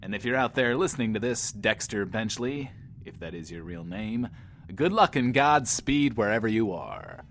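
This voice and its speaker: An actor playing a sleazy, wisecracking post-apocalyptic radio host in an audio drama, smug and flippant, speaking of himself in third person. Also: male voice, medium pitch, very animated, normal speed, gravelly, fairly bright tone, slight background noise. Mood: breezy, mock-sincere. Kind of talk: in-world radio show patter, audio drama.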